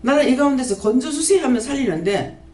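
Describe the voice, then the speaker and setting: A woman pastor, preaching a sermon and scolding with rapid-fire rhetorical questions. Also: high-pitched, lively intonation, darkish tone. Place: prayer house church. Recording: echoey church hall, faint background noise.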